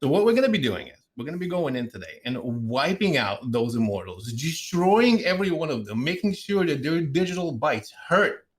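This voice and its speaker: Energetic male co-host explaining. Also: on the high side, fairly quick, few pauses. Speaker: podcast co-host. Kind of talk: casual podcast chat.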